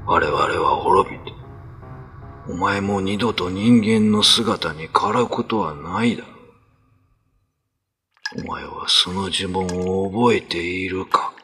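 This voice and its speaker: A man's voice: low-pitched, slow pace, long pauses, sharp tone, in a large hall, soft background music, full character voice. Man voicing a huge, ominous black cat monster. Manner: ominous, interrogating. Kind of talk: radio drama horror acting.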